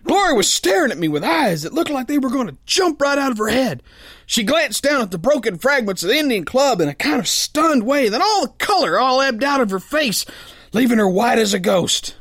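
A man's voice: extremely high pitch, sing-song, brisk, a bit bright, dry recording, heavily acted. A man playing a tough, cocky, uneducated sailor boxer who tells his yarn in folksy slang for a radio drama. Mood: bemused. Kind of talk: pulp radio drama narration and dialogue.

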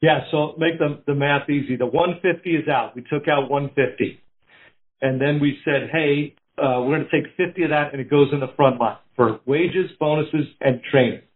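A man speaking as a company executive on an earnings call, explaining unscripted business answers in a measured way with repeated phrases. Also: on the high side, steady tone. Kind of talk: answering analyst questions, unscripted business talk. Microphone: conference call line. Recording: narrow tinny phone-line sound.

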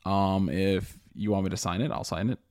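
A man's voice: low voice, steady tone, normal speed, darkish tone, clean tone, dry recording, clean studio sound. A man co-hosting a podcast, joking in a laid-back, sleepy way late at night. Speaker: podcast co-host. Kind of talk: casual chat.

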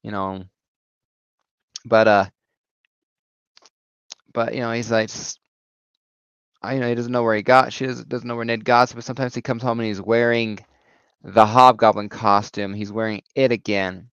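Male comic reviewer, smooth clear voice, loose rambling delivery full of "uh"s, dry and slightly dull recording. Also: medium pitch, steady tone, normal speed, pauses often, fairly bright tone, no echo. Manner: rambling, many fillers and restarts. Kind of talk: casual comic recap.

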